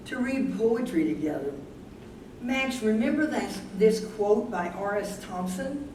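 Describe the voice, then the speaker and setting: A woman's voice: mid-range voice, lively intonation, a little slow, dark tone, natural voice. A woman playing a thoughtful, anxious professor wife troubled by her memory in a staged play reading. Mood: tender, reflective. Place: live staged reading in a room. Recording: noisy, echoey room from a distance.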